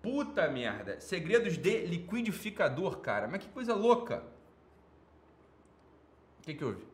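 A man's voice: a little high, sing-song, unhurried. A Brazilian man giving informal, off-the-cuff commentary as a program host, opinionated and emphatic, with repetition and slangy, profane wording.

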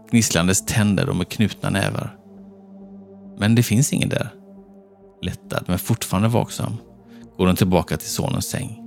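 A man narrating a suspenseful horror story in a measured, tense way. His voice sits low and has a rough, gravelly texture. Quiet music plays faintly in the background.

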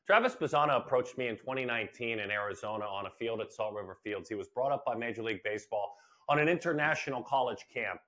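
A man's voice: mid-range voice, fast, sharp tone. An older man co-hosting a baseball podcast, chatting casually and animatedly, often repeating phrases for emphasis. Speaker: podcast co-host, baseball broadcaster. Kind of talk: casual sports chat.

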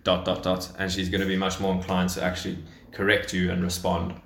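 A man's voice: low-pitched, completely flat delivery, brisk, a bit bright, echoey room. A man working as a dating coach, talking casually and emphatically and affirming what his co-host says. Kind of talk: casual instructional podcast chat.

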